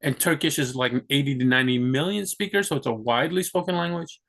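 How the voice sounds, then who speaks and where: Speaking fast in a fairly high, creaky, slightly bright voice, a young man from the United States chats to the camera as a vlogger. He rambles casually about his plans, often restarting sentences and leaning on fillers.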